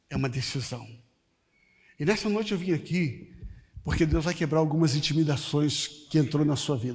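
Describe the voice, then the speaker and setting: A man talks at a moderate pace in a fairly high pitch, somewhat breathy, with ordinary pitch variation. Long, frequent pauses break up his speech, and audible room echo surrounds it. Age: 60s. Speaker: pastor. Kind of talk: sermon. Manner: animated.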